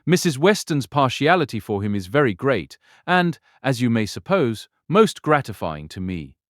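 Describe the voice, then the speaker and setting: An actor playing a talkative, sanguine older gentleman in a period audiobook drama, speaking in a genteel, rambling, effusive way. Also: medium pitch, sing-song, normal speed, no echo, clean studio sound, natural voice. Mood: eager, hopeful. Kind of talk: full-cast audiobook period drama acting.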